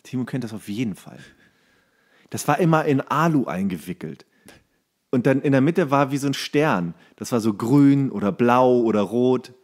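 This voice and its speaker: A man with a mid-pitched voice chats casually as a podcast co-host. He talks in a halting way, feeling around for the right word, in a loose comedic conversational style. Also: lively intonation, a little mellow.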